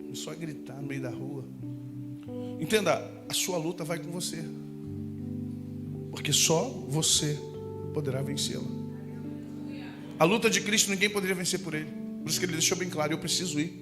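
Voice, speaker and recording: A man preaching a sermon, telling funny stories with shouted asides and impressions. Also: a little high, moderate pace, long pauses. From Brazil. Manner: animated, humorous storytelling with shouted asides and impressions. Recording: music playing behind the voice.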